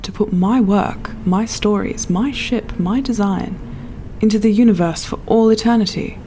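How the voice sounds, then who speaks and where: Female, actor as self-assured perfectionist spaceship designer, lofty audio-drama monologue, medium pitch. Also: normal speed, mellow, slight background noise, close to an everyday voice. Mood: wistful, yearning. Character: proud, dreamy, perfectionist artist designing a spaceship.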